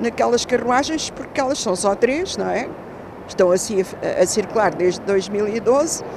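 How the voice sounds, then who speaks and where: Lively intonation comes through at a fairly slow pace, with a dry sound that has no echo and noticeable background noise. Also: woman. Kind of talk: interview answer. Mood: critical, complaining. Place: street. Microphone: handheld.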